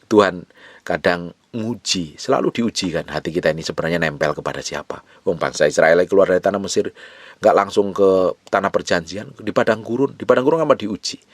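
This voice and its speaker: A male pastor preaching a sermon with urgent exhortation, repeating short phrases and moving between forceful rises and hushed low phrases. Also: dry recording.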